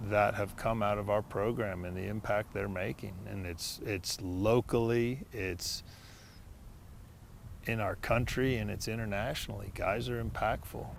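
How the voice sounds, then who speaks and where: A man giving reflective interview remarks as a coach, in halting phrases. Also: fairly low pitch, gravelly, a little hiss or hum. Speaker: college soccer coach.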